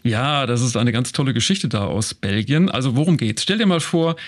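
Male corporate news co-host, husky gravelly voice, animated delivery. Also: medium pitch, fairly quick. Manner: upbeat, conversational explaining. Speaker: co-host of a company news show. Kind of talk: casual scripted news chat.

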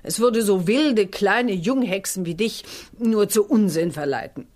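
An actress playing a gentle but firm witch mother, measured and instructive, in a children's audio drama. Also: medium pitch, natural voice.

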